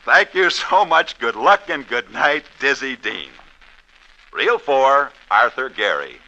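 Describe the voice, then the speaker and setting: A man's voice: mid-range voice, animated, slow pace, pushed and bright, highs cut off. A man hosting a sports radio show, narrating scripted stories in a dramatic, declamatory way.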